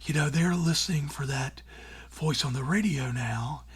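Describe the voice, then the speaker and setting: A middle-aged man who hosts a radio show, answering interview questions in a breathy, raspy, near-whispered voice, earnest and plainspoken with casual fillers. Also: a little high, normal speed, slight background noise. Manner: earnest and plainspoken, with many "you know" and "like" fillers. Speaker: radio show host and former newspaper columnist.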